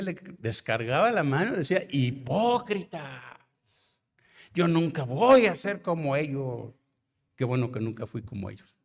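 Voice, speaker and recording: Mexican pastor telling his testimony, lively pitch. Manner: storytelling, acting out his younger self in quoted speech. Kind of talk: sermon testimony. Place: large church hall. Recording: long hall reverb.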